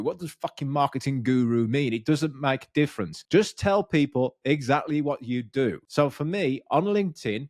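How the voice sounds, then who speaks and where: A man in his thirties with a Birmingham accent, giving blunt, energetic business coaching straight to camera and swearing freely. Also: mid-range voice, no echo, clean studio sound. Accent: Birmingham English. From Birmingham, England. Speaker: business coach and podcast host. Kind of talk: direct-to-camera coaching talk. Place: small dark studio room with bookshelves. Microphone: studio mic on boom arm.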